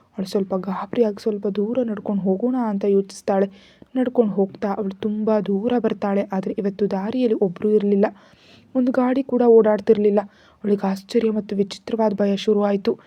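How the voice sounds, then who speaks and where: Dark mellow female storyteller. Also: medium pitch, dry recording. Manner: steady, even reading. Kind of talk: scripted story narration. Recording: dull lo-fi recording.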